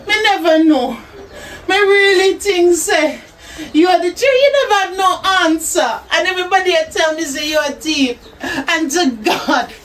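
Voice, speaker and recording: A woman's voice: high voice, recorded from a distance. A woman playing a wailing Jamaican mother. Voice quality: wailing, sobbing patois with broken laughter. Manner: repetitive cries and pleading. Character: grieving Jamaican mother, remorseful, overwrought. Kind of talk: amateur web drama acting.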